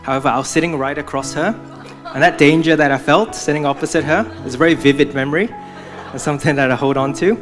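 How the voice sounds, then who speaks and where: A man's voice: a little high, fast talker, music in the background. A young man from Hong Kong giving a prepared church testimony, speaking earnestly as if from notes.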